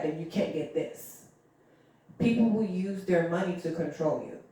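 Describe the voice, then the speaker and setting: A woman's voice: sits low, mellow. Woman, 30s, podcast co-host, earnest casual chatter, distant mic, echoey room. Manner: earnest, repeats phrases, many fillers. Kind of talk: casual chat.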